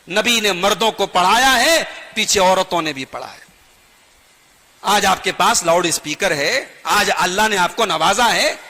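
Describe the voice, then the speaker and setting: A man's voice: high-pitched, sharp tone. A man preaching a sermon, earnest and pleading, with rhythmic repetition and rising emphasis. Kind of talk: sermon to a gathering. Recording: long hall reverb.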